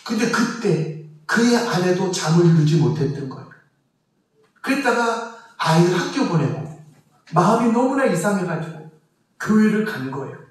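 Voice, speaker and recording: A male pastor preaching a sermon as a story, with emotional emphasis and quiet drops in his voice. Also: sits high, big pitch swings, normal speed, long pauses. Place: church sanctuary. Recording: echoey church from far off.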